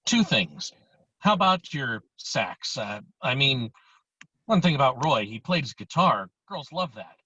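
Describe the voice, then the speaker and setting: Casting: man as laid-back teen slacker pal, husky and lively in pitch, slangy table-read delivery. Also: measured pace, no room sound, exaggerated voice. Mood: deadpan, casual. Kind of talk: amateur screenplay table read. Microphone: virtual table read over video call. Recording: dull lo-fi video call audio.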